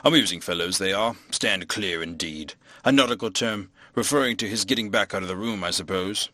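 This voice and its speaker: A man voicing a fussy, evasive, pompous vicar in an audiobook, with measured, drawn-out phrases. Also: low-pitched, bright, forceful tone, no echo, voice pushed down. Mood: pompous scepticism.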